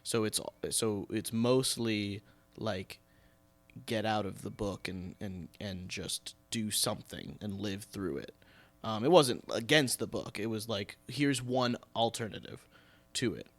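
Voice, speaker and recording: A young man hosting a podcast interview, chatting informally and halting and restarting as he goes. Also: fairly low pitch. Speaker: podcast host. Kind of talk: casual interview chat.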